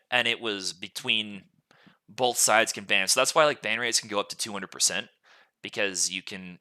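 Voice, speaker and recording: Guy hosting a gaming podcast, kinda low but really sharp bright voice, rambles on explaining stuff. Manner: casual swearing. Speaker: podcast host. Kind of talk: casual gaming podcast chat.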